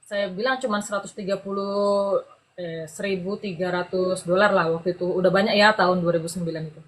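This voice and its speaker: A middle-aged woman telling her personal story as a podcast guest in an animated, chatty way, laughing often and acting out the voices of the people she quotes. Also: fairly low pitch, fairly quick. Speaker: podcast guest giving a testimony. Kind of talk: conversational storytelling.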